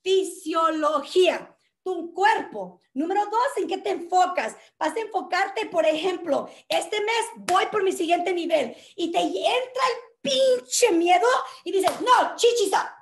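A woman's voice: very high voice, animated, takes it slowly. A woman hosting a motivational workshop at home, talking energetically and mixing English words into her Spanish. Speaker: workshop host.

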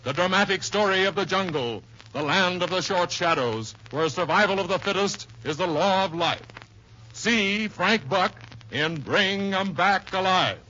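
Male announcer, 1930s radio promo. High forceful voice, declamatory, muffled noisy recording. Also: measured pace.

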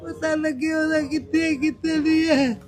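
An older woman, crying as she speaks, pleading softly and haltingly for her son to call her. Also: high-pitched, fairly even intonation, soft background music. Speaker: mother appealing to her absent son. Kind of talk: tearful plea in conversation.

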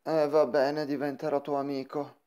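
A woman's voice: low voice, little pitch movement, moderate pace, very noisy, lightly acted. A woman voicing a jumpy, frightened young schoolboy in a cartoon fandub. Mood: nervous.

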